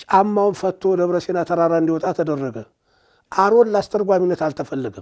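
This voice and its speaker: Against a quiet background, a man speaks in a high voice with ordinary pitch variation. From Ethiopia, Bulga area; Ethiopia. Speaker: Orthodox church scholar and teacher; teacher. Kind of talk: interview about his life. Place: home room. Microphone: lapel.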